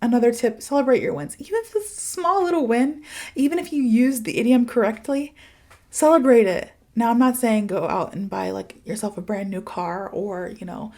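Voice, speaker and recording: A woman's voice: fairly high pitch, moderate pace, a little mellow. A woman hosting a casual motivational podcast like a teacher, chatty and informal, with emphatic phrasing and giggly asides. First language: English. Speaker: podcast host and English teacher.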